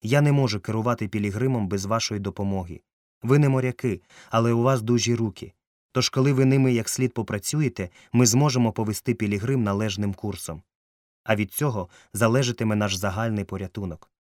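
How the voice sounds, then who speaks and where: A man's voice: lowish voice, a little fast, a little mellow, dry recording, studio quality, close to an everyday voice. A man reading a resolute young captain. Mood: earnest.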